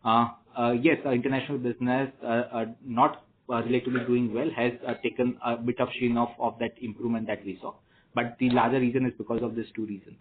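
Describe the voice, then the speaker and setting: A man with an Indian accent comes through a narrow phone line with faint noise. He is a company executive explaining things to analysts in a measured, formal way, at a medium pitch. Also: little pitch movement. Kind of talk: earnings call answers to analysts. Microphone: conference phone call.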